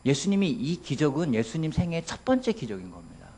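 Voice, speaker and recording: Lively Korean pastor preaching. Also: male voice, on the high side, fast, husky. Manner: lively, asks the congregation questions, playful voices for quotes. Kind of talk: sermon. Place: church sanctuary.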